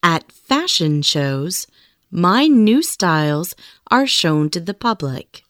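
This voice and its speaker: A woman reading scripted language-lesson audio, speaking very slowly and carefully. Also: on the low side, big pitch swings, fairly bright tone, dry recording, clean studio sound. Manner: very slow, carefully enunciated reading. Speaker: textbook audio reader.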